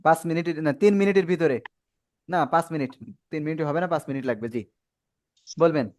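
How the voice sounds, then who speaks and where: A man's voice: on the high side, animated, fast talker, a little mellow. A man teaching a Quran reading class to children over a video call, patiently prompting pupils and praising their answers. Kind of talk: online class instruction.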